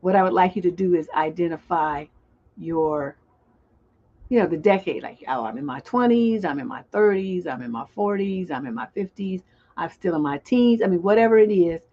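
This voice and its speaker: Her voice sits fairly low with a dark tone, and she speaks at an ordinary speed. As host of a live call-in stream, the relationship coach chats loosely and reads viewer comments out loud, captured in dull, lo-fi audio.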